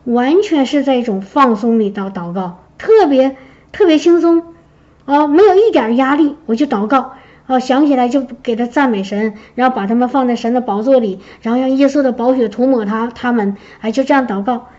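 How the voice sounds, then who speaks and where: A high-pitched woman with a mellow, warm tone shares a personal testimony with her congregation. She tells her story in a lively, animated way. The recording sounds dull and lo-fi. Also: moderate pace. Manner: lively storytelling, acts out quoted speech. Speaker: church member giving a testimony.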